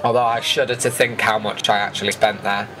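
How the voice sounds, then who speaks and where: A man's voice: fairly low pitch, little pitch movement, brisk, noisy background. A man with a British accent giving a chatty, informal voice-over commentary as a vlogger recapping an event. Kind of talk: casual voice-over commentary on footage.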